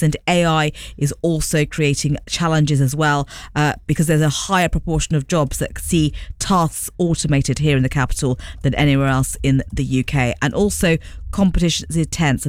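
Measured woman reporter, dry close sound. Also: deep voice, dry recording. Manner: measured, explanatory. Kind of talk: radio news report.

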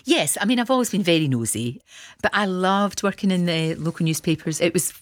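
Chatty low-voiced Glasgow woman. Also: a little fast, no room sound. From Scotland. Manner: chatty, animated storyteller with Scottish words like wee. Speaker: guest. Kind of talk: casual radio interview chat.

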